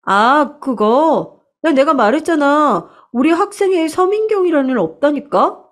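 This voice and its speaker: A chatty young woman student, frank and breezy with a friend. She speaks in a slightly high voice, as a woman narrator puts her on. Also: lively intonation, a little slow.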